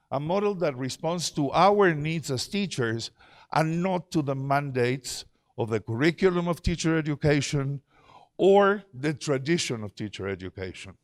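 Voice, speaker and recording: A middle-aged man giving a conference presentation to teachers, engaging the audience with questions. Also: a little high. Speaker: conference speaker.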